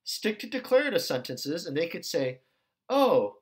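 A man teaching an ethics lesson in a relaxed, conversational way, often checking in with his listeners. His pitch swings widely and expressively. He drops into different tones as he acts out the questions he quotes. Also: fairly quick. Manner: conversational, checks in with "okay" and "right". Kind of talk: recorded lecture video.

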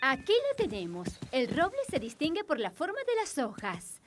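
An actress playing an orderly, instructive schoolteacher in a Latin American Spanish children's cartoon dub. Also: female voice, high-pitched, wildly swooping pitch, moderate pace. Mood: matter-of-fact. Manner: instructive, tidy, directing children. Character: pleasant, orderly schoolteacher on a nature walk.

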